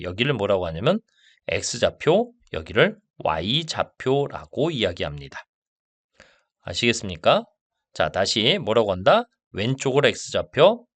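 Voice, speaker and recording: Man teaching math, lively pitch. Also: no echo. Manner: slow and stressed on key terms, asks checking questions. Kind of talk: lecture.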